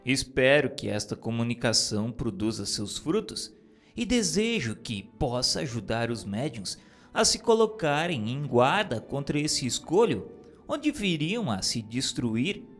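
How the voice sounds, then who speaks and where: Slow, expressive male narrator. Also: medium pitch. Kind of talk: solemn scripted reading of spiritual messages. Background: music.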